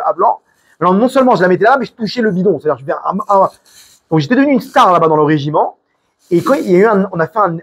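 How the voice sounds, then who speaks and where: Man, French accent, husky voice, high pitch, informal sermon, rambling restarts. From France. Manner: animated, rambling, many restarts, Hebrew religious terms. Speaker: preacher.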